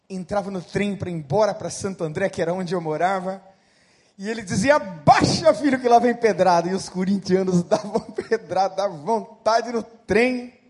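This sermon comes from a middle-aged Brazilian pastor with a high voice, alternating between loud, emphatic moments and quiet storytelling.

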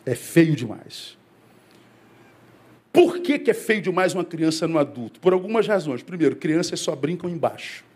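A man from Brazil, a pastor giving a conversational sermon to his congregation, calling them brother and acting out quoted voices. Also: breathy edge. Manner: acts out quoted voices, rising to high excited emphasis.

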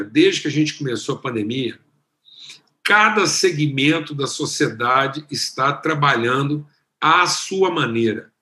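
A Brazilian man preaching as a pastor, talking in a conversational way with animated emphasis. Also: fairly high pitch, reverberant. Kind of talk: sermon.

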